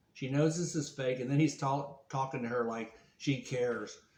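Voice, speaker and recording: A somewhat breathy voice speaks at a fairly slow pace with audible room echo. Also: man. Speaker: gambling commentary youtuber. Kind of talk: casual commentary monologue. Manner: monotone.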